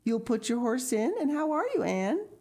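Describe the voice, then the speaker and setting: A woman voicing a fussy, kindly older woman who gushes and apologizes in a high, raised voice. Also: very animated, normal speed, a little mellow. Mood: flustered. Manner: gushing, apologetic, exclamatory.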